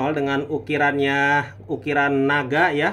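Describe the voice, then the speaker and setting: This man has a fairly high-pitched voice. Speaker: knife and machete seller, channel host. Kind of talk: street seller pitchman: a product-review video sales pitch. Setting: video recorded at home or shop, product shown to camera. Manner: animated, salesy. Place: home room.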